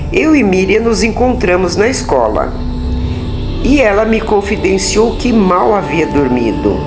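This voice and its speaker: A woman with a Brazilian Portuguese accent narrating a suspense story in a dramatic storytelling manner with drawn-out words. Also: medium pitch. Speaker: storyteller, channel host. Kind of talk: scripted horror story narration.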